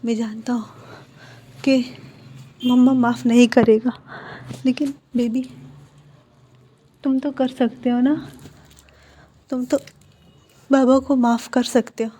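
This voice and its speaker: A remorseful young man begs softly for forgiveness, put on by a woman reader. His voice is quiet, mellow and half whispered. The pitch sits a little high in this storybook fan fiction reading. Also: flat delivery, takes it slowly, long pauses, breathy edge. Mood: pleading. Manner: soft, pleading, half whispered.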